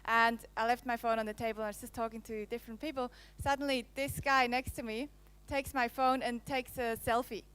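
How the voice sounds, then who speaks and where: A woman in her thirties, raised in Switzerland, speaks with a Swiss accent tinged with French. Her voice is smooth and clear and sits a little high. She gives a conference keynote on a handheld mic in a playful way and teases the audience. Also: fairly even intonation, fairly quick, few pauses, a bit bright. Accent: Swiss, with some French. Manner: playful, teasing the audience, laughs often. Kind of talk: live keynote presentation. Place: conference hall. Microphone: handheld microphone.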